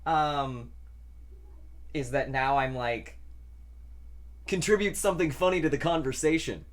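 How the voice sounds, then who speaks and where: Slow, rambling young trans man. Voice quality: deep, low-carrying voice. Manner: rambling, self-deprecating, frequent fillers. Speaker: vlogger. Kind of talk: casual weekly vlog chat.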